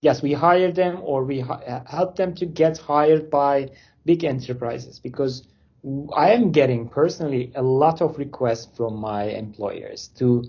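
A man's voice: medium pitch, a little slow, darkish tone, slightly rough, highs cut off. A man from Turkey speaking English, answering interview questions casually with loose phrasing and many fillers. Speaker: interview guest, company founder.

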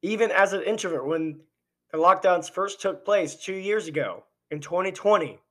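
A man delivers a heated solo commentary, firing off rhetorical questions in a voice pitched slightly above the usual male range. His voice is worn and hoarse because he is losing it. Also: normal speed, pushed and bright. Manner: impassioned, ranting, rhetorical questions. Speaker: podcast host. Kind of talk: opinionated political commentary monologue.

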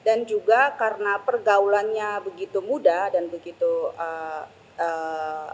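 A middle-aged Korean woman, a foreigner speaking fluent but hesitant Indonesian with a Korean accent as an interview guest, often pausing to find words. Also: mid-range voice, steady tone, big-room sound, low-quality recording. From South Korea. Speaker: interview guest, embassy senior researcher. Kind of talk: conversational interview answers.

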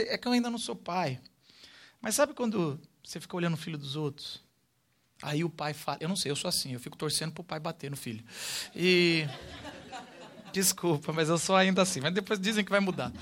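A young man from Brazil preaching a sermon with animated swings between loud, excited stretches and quiet, hushed ones. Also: high voice. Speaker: pastor.

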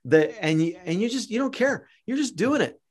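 With a high, animated voice at normal speed, a Canadian-accented podcast host talks casually with his guest. He's encouraging throughout, though his speech is peppered with fillers and false starts.

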